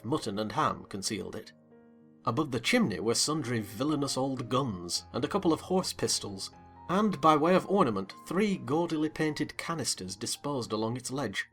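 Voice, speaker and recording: A man narrating a dramatized reading of a classic novel in a measured, expressive storytelling manner. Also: medium pitch. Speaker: audiobook narrator.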